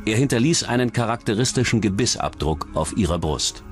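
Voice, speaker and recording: A man with a fairly low voice narrates a true-crime documentary from a script. His delivery is measured and serious. Music plays clearly behind him. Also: expressive.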